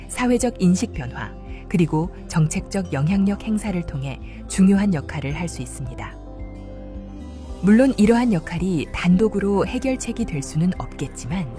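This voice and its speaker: Woman reading documentary narration, formal and steady, faint music behind. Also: lowish voice. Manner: calm, measured, formal.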